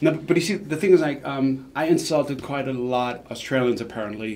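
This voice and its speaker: A man speaks at a very fast pace with ordinary pitch variation. Noticeable background noise sits behind him. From Germany. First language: German. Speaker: film interviewer. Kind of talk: interview.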